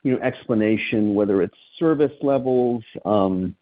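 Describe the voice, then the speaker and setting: A man speaking as a financial analyst, asking questions on a call in a halting way peppered with "you know". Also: fairly low pitch. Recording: tinny, narrow phone line.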